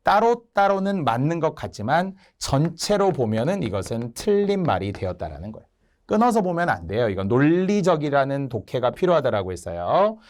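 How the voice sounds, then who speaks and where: A male lecturer talks through an exam question with a lively, swooping pitch. He keeps things animated and acts out quoted lines in little character voices. It is a recorded exam prep class. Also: brisk.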